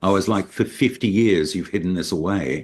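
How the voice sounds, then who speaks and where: With vocal fry and lively intonation, a man speaks in a very deep, low pitch against a quiet background. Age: 60s. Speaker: abuse survivor and writer. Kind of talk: podcast interview. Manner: halting.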